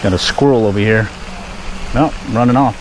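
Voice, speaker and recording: A man giving relaxed, chatty running commentary while fly fishing at a park pond, recorded on a head-mounted action camera. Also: on the low side, normal speed. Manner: relaxed, chatty, pleased exclamations at each catch. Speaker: fishing vlogger. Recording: outdoor action-camera audio with background noise.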